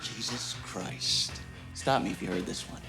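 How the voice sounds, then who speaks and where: An actor playing a vengeful undead man, speaking in a low, quiet, sardonic way in a film clip. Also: unhurried, gravelly, roomy sound. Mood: mocking. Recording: film clip with music, from afar.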